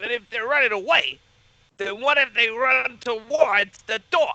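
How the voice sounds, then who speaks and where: A put-on character voice delivers its lines at a moderate pace. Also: man, extremely high pitch for a man. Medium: actual play. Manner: slow, puzzled.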